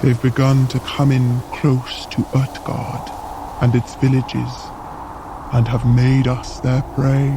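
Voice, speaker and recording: A tall frost giant in a fantasy audio drama. He is proud and earnest, choosing formal words at a slow, measured pace. His voice sits at a middling pitch with clear outdoor noise behind it. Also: level tone. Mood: grave. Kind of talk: scripted audio drama acting.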